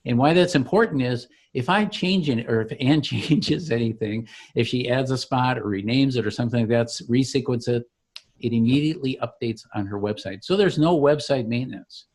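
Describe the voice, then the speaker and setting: A man giving an informal software demo as a company founder, explaining each click like a salesman. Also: mid-range voice, brisk. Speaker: company founder demonstrating his product.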